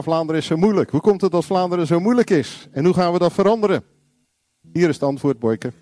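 Male preacher, higher voice, animated, confrontational sermon, dry sound. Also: no room sound. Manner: confrontational, acts out little dialogues, sudden shouts.

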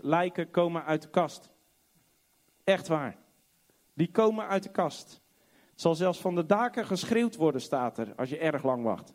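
High-voiced impassioned male preacher. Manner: impassioned, swings from loud high exclamations to hushed low tones; reads scripture aloud slowly and emphatically. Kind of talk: sermon.

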